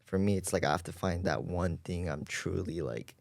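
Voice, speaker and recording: Deep-voiced young man rambling casually. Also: moderate pace, vocal fry, a little mellow, no echo. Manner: rambling, lots of "like". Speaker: guest volunteer. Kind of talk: casual podcast chat.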